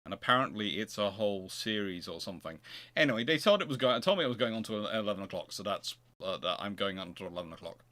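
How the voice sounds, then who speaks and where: Low-pitched man musing aloud. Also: animated, fast, bright, forceful tone. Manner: musing, thinks aloud and repeats phrases. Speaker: host of a naval history question show. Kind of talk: casual rambling answers to audience questions.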